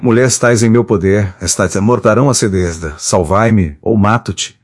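A man's voice: on the low side, normal speed, close to an everyday voice. A man reading the part of a threatening male villain in a stage play. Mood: menacing.

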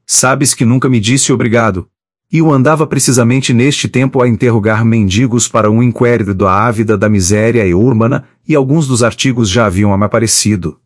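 A man narrating an audiobook of classic prose with steady, measured reading. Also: mid-range voice, dry recording, studio quality.

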